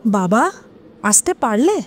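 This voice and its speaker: A woman's voice: a little high, very animated, takes it slowly, a little hiss or hum. An actress playing an impatient, determined woman in an audio drama, pressing her lover in an insistent, dismissive way. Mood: teasing. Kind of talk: Bengali audio drama dialogue. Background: dramatic music.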